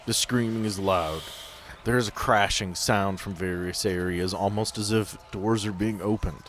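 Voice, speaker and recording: A man's voice: on the low side, steady tone, normal speed, fairly bright tone, a little hiss or hum. A man narrating and running a tabletop game as game master, explaining rules at length.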